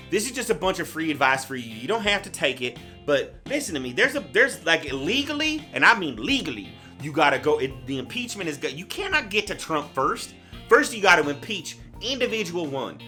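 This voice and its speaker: A brash redneck pundit , played by a man, who shouts, swears and rambles through his rant. His voice is sharp and forceful, with faint music underneath. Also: fairly high pitch, heavily acted. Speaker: guest ranter.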